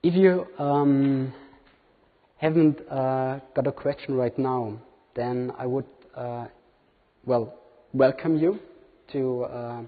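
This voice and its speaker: A man's voice: mid-range voice, steady tone, slow pace, long pauses. A man in his thirties, not a native English speaker, giving a hesitant demo talk with many fillers in a large conference hall. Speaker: conference presenter. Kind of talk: live product demo talk. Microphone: room recording from far camera. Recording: tinny, reverberant hall from far off.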